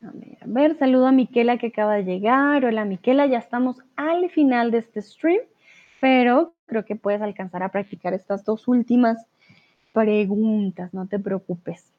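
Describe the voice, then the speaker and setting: A woman's voice: fairly high pitch, moderate pace. A woman teaching Spanish on a live stream, patiently reading out viewers' chat answers and correcting them, sometimes explaining in English or German. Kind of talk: live online language lesson. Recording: tinny narrow-band stream audio.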